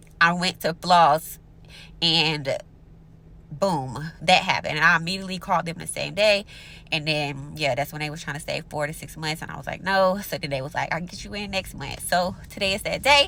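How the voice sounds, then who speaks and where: With a bright, sharp tone and vocal fry, a woman at a fairly low pitch shows ordinary pitch variation and big swings in loudness on a very clean recording with a silent background. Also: moderate pace. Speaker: vlogger. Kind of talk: casual vlog.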